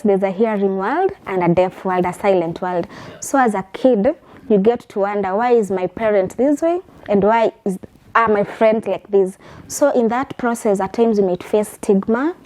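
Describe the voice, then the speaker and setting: A young woman speaks as a guest in a television interview. Her voice is mellow and warm, and she sits at middle pitch. She explains her points at length in a measured, earnest manner. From Kenya. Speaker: guest, lawyer and advocate.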